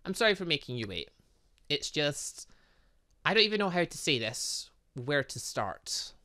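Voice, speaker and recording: A nervous teenage girl from a visual novel, quiet and halting as she struggles to get her words out, read aloud by a man. The voice stays hushed and unsure. It sounds like someone who can barely bring herself to begin. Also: a little high, big pitch swings.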